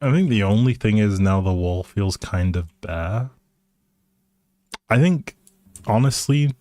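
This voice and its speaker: A man's voice: sits low, warm tone, no room sound. A man live streaming a video game with casual, hesitant commentary, thinking aloud and often trailing off. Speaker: live streamer playing a life simulation game.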